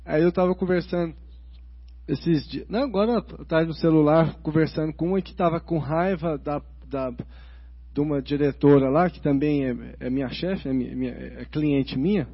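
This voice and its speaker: A man with a husky, slightly high voice talks casually about faith. He tells stories from his own life with quick asides and restarts. The recording sounds dull and lo-fi.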